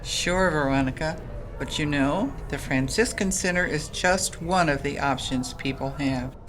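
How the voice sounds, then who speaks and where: Woman doing a kind catholic sister in an audio drama, low voice, explains patiently. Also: measured pace, noisy background. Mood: patient, explaining. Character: kindly, patient Catholic sister running a charity center.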